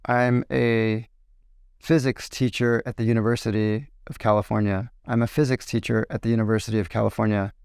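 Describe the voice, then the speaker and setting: A man's voice: on the low side, little pitch movement, darkish tone, dry recording, studio quality. A man playing a friendly airline passenger. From Brazil. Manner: slow, clearly repeated sentences. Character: friendly male airplane passenger, adult. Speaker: role-play partner in a practice dialogue. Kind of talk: acted example dialogue for learners.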